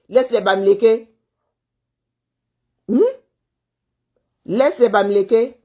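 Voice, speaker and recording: A Cameroonian woman commentator with a husky, darkish, medium-pitched voice answers viewers in a heated monologue. She scolds a listener, repeats herself and fires off rhetorical questions.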